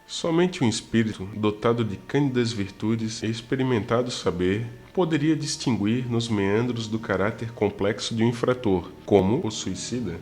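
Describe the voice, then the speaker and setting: A man's voice: on the low side, normal speed, few pauses, darkish tone, faint music behind, close to an everyday voice. A man voicing a solemn, kindly priest spirit who guides lost souls, speaking in a formal, archaic, preaching way in a radio drama. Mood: gently instructive.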